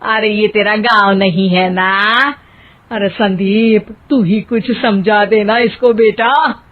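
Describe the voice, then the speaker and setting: A woman's voice: mid-range voice, steady tone, slow. A woman voicing a bossy, exasperated middle-aged mother-in-law in a cartoon, scolding and exclaiming. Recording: tinny phone-like audio.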